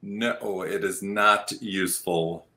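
A man's voice: low-pitched, steady tone, slow pace, sharp tone. A middle-aged man hosting a guessing game show as its host over a video call. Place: home room on a video call.

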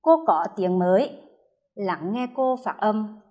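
With an animated, mellow voice in the middle range, this Hue-accented woman teaches first graders to read. Each sound is modeled with slow care, and she stretches out repetitions so the kids can repeat after her.

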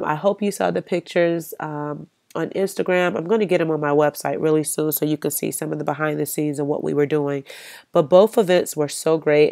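Her voice deep and a little mellow, an American woman hosts her own podcast, talking encouragingly in a conversational style. Ums come up often, and a cold makes her sound stuffy.

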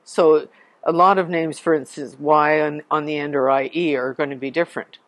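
A Canadian woman presenting a talk on genealogy research to a local society, explaining things in an unhurried way and spelling out names letter by letter. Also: deep voice, steady tone, no echo.

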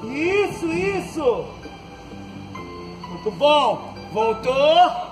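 A Brazilian man leading an outdoor stretching class, giving calm breathing cues and joking lightly as he moves the group through each pose. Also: extremely high pitch, drawn-out words, poor audio. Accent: Brazilian Portuguese. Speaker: fitness instructor. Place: outdoor court, large open space. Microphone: far camera on the ground. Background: background music.

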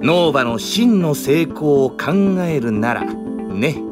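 Lilting, easygoing stage director. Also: male voice, mid-range voice, animated, slow, music in the background. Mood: breezily firm. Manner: breezy, casual, playful. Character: easygoing, quietly confident eccentric male stage director. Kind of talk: anime-style voice drama acting.

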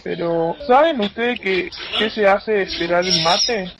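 A young man with an Argentine accent playing a self-important, grave gentleman suitor in an amateur radio play. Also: high-pitched, unhurried. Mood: grave, impatient. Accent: Argentine, Buenos Aires area. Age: young adult. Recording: dull lo-fi, faint noise, clicks.

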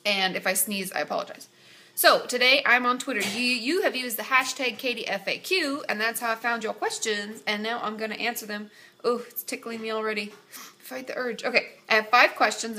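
A young woman with a stuffed-up, nasal voice, bright and a little high, talking close to her webcam in a small room. She answers viewer questions in a chatty, direct way, steady and reassuring as she gives advice. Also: fairly quick. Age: young adult. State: stuffy nose from a cold. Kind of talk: casual vlog Q&A. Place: small dim room indoors. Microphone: webcam at close range.

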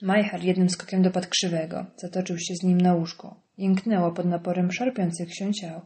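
Low, mellow woman narrating an audiobook. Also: level tone, moderate pace. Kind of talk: scripted narration.

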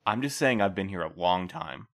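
A man playing a calm, patient middle-aged postmaster who interviews new couriers, speaking gently and in a measured way. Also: deep voice. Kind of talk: audio drama acting.

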